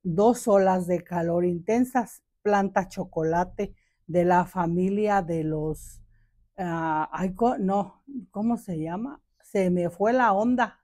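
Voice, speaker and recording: A woman's voice: mid-range voice, dark tone, no echo. An older woman talks casually about her garden plants. She chats and jokes, full of fillers, tender toward her pots. Her voice sits mid-range and close, with a dry, unechoing sound. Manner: chatty, joking, fond of her plants, many fillers. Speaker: gardening channel host. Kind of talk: casual gardening vlog talk. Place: home garden outdoors.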